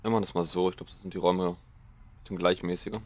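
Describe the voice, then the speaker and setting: A young man with a slightly hoarse voice, rambling casually through gameplay commentary and mocking himself as he goes. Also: low voice, fairly even intonation, rapid-fire, slight background noise. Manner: rambling, self-mocking, thinking aloud. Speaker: let's play host.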